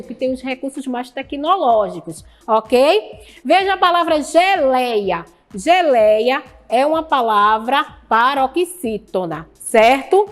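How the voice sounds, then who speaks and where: A woman teacher with a Brazilian Portuguese accent giving a recorded online lesson, patiently asking the class questions and praising the answers. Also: sits high.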